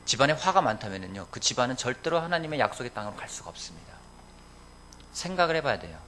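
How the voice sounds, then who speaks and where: A man's voice: medium pitch, very animated, quick pace, pushed and bright, a little hiss or hum. A male pastor preaching a sermon, often asking the congregation questions and answering them himself. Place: church sanctuary.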